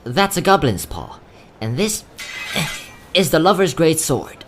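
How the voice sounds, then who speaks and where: A man playing a courteous, quietly sad young travelling merchant in a fantasy audio drama, speaking in polite, theatrical salesman's patter. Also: on the high side, big pitch swings, a little slow, slight background noise. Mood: welcoming sales patter. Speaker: voice actor.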